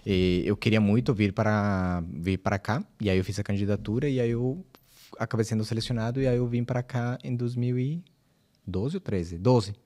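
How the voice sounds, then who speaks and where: A man's voice: lowish voice, normal speed. Easygoing man telling his story. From Colombia. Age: 30s. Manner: relaxed storytelling, frequent fillers and laughs. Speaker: guest. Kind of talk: casual podcast conversation.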